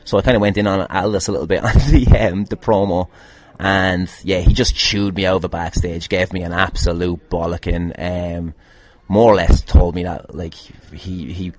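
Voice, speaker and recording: A man's voice: low-pitched, darkish tone. A man with an Irish accent telling casual, rambling anecdotes as a podcast host, jokey, sweary and self-deprecating. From Ireland. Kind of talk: casual rambling anecdotes answering fan questions.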